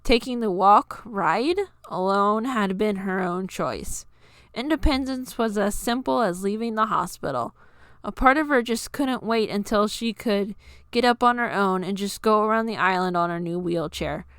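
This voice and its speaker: A woman's voice: medium pitch, normal speed, fairly bright tone, clean tone, no room sound, studio quality. A woman reading a scripted story aloud as its narrator. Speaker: narrator reading own fan fiction.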